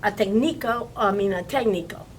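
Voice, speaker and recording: A woman's voice: medium pitch, a little hiss or hum. A woman from Venezuela who speaks Spanish as her first language talks about her work as a film producer in a casual interview, stopping and restarting often. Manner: halting English with many restarts and repeated words. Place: studio.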